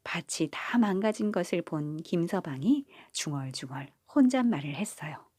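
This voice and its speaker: A woman reading a bedtime folk tale in a gentle, motherly storytelling manner. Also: lowish voice, expressive, normal speed, breathy edge, dry recording, clean studio sound. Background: faint background music.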